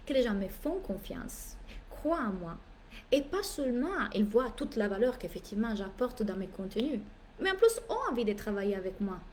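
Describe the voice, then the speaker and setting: A woman coach, French not her first language, talks to her audience in a lively, emphatic way, with theatrical asides. Her voice sits a little high but sounds mellow and soft-edged. A faint hiss runs under the recording. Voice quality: animated, playful, theatrical asides. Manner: emphatic, repeats phrases for effect. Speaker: business coach. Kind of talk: live masterclass talk.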